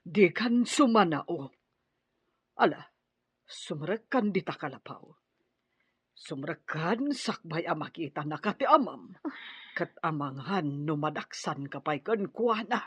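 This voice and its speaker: A woman's voice: low-pitched, expressive, slow pace, long pauses, husky, dry recording, exaggerated voice. An actress playing a worried middle-aged tribal mother, urgent and chiding, with an Ilocano accent, in a radio drama. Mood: urgent, scolding. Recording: muffled, band-limited radio drama recording.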